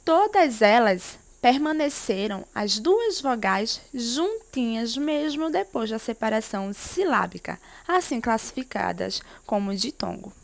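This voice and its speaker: Higher-voiced woman teacher explaining stuff to kids, lots of questions, dry sound. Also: unhurried, gravelly, few pauses, no echo. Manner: lively, questioning pupils. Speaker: primary school teacher. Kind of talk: remote lesson explanation.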